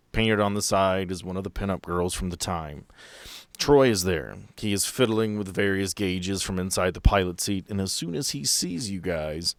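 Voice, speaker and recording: Lowish-voiced man narrating a tabletop game. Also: no room sound. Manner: storytelling, descriptive. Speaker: game master of a horror tabletop podcast. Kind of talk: improvised scene narration.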